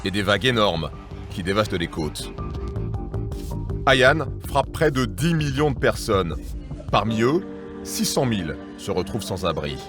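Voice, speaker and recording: A man reading a scripted documentary narration in a measured, serious voice. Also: lowish voice, sing-song. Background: music.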